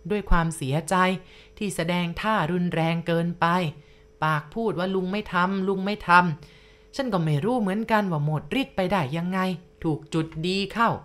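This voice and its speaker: Woman reading a ghost story, kinda low voice, slow and confiding, talks right to you. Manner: slow, confiding, addresses the listener directly. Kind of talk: first-person ghost story narration.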